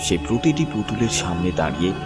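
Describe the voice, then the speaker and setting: A man narrating a scripted horror story in a solemn, measured, dramatic way with pauses. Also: low voice, big pitch swings. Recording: long reverb, music bed behind voice.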